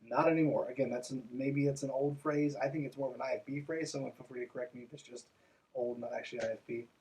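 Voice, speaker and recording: A man's voice: mid-range voice, fairly even intonation, quick pace, darkish tone, recorded from a distance, low-quality recording. A man hosting a podcast, reading aloud and breaking in with mocking, irreverent, conversational asides. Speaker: podcast host.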